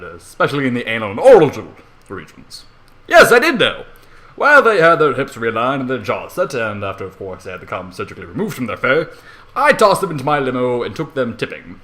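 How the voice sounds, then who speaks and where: A man's voice: medium pitch, wildly swooping pitch, a little fast, bright, forceful tone. A man narrating a comedic story theatrically, with irreverent, sweary asides. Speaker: amateur fan fiction reader.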